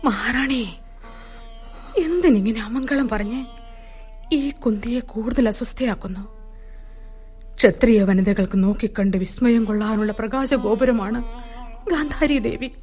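An actress playing a sorrowful, humble queen in a classic radio drama, speaking in a measured, formal and mournful way. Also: on the high side, a little mellow, soft background music, lightly acted.

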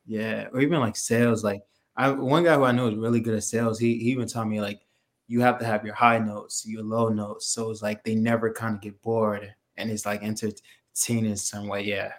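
Give me a relaxed man host, slightly low voice, chatting with loose filler words. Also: fairly quick. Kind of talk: casual chat.

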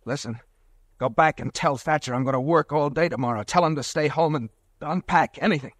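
Actor as husky, high-strung desperate man. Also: fairly quick, dry recording, studio quality, close to an everyday voice. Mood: grimly determined. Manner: tense, curt, challenging. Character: desperate, sleepless male pharmacist, suspicious and edgy. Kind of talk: old-time radio drama acting.

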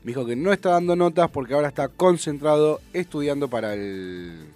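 Rioplatense man, radio host, slightly high voice, halting and argumentative, light music under him. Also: animated, a little mellow. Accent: Rioplatense Spanish. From Buenos Aires province, Argentina. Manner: hesitant, restarts and fillers, argumentative. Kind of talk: casual talk radio chat.

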